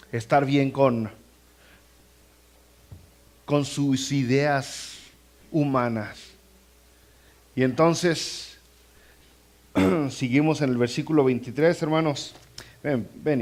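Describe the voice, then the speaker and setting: A male pastor preaching in a church sanctuary, his voice pitched a touch high for a man. He speaks conversationally and turns often to the congregation. He acts out the stories he tells with lively voices. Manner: animated, acts out scenes and quoted voices; conversational, addresses the congregation directly. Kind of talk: sermon.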